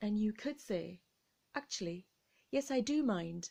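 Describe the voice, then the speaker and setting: This woman has an English accent, a dark, mellow tone, a fairly high pitch and lively intonation. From England. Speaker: English teacher, vocal coach. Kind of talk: educational explainer to camera. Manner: slow, clear.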